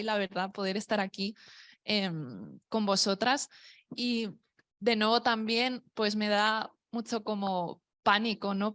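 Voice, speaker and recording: Woman poet, panel speaker, medium pitch, nervous and halting, filler-heavy. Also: fairly bright tone. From Spain. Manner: nervous, hesitant, many fillers. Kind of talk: unscripted panel talk. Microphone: microphone at a public talk.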